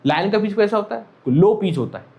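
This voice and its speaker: With a high, mellow voice, a man gives an animated, fairly quick physics lecture to a classroom. He mixes English terms into his Hindi, says key phrases more than once, and keeps checking that his students are with him.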